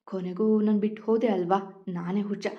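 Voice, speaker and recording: A woman's voice: medium pitch, fairly even intonation, moderate pace, highs cut off, natural voice. Woman voicing a hurt sulking young husband. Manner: sulky, wounded.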